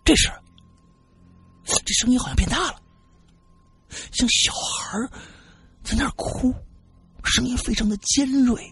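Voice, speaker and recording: A man telling a spooky story in an animated, dramatic way. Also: extremely high pitch, measured pace, long pauses, husky. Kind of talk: casual spoken ghost story.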